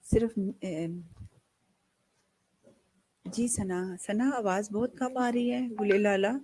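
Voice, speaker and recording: A woman nursing lecturer teaches an online class at a slow, deliberate pace, switching between English and Hindi. Her throat is slightly hoarse. The class audio carries a clear, steady background noise. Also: mid-range voice, rough recording.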